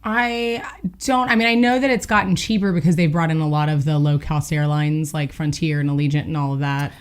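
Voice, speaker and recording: A woman, co-hosting a podcast, her voice hoarse, telling stories in a chatty way with lots of fillers. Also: low voice, fairly even intonation, a little fast. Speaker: podcast co-host. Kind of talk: casual chat.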